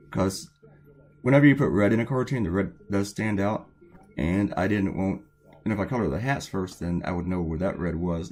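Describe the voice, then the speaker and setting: A man chatting casually as he draws, telling rambling stories with lots of fillers, his voice a little hoarse and weak. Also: sits low, darkish tone. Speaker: cartoonist. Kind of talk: casual chat while drawing.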